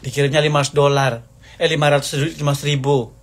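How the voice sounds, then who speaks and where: A man's voice: on the high side, level tone, fast. A man delivering an angry, accusing rant to the camera, hammering the same points over and over. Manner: heated, accusing, repetitive.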